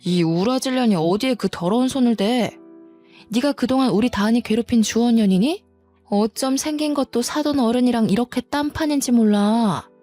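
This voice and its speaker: A woman's voice: on the high side, normal speed, dark tone, soft background music, natural voice. Woman doing a fiery, blunt sister-in-law. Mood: furious. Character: fierce protective older sister-in-law, woman.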